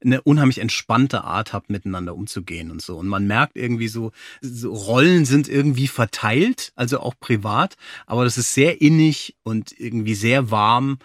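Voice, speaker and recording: A man's voice: medium pitch, moderate pace, hardly any pauses, no echo, studio quality. A man hosting a podcast in a jokey, casual interview style. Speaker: podcast host.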